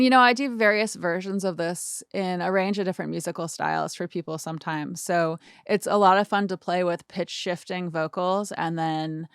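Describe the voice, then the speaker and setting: A woman's voice: lowish voice, clean tone, dry recording, clean studio sound. A woman in her thirties hosting a music production tutorial, chatting informally and casually with some self-deprecation. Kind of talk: casual screen-recorded tutorial.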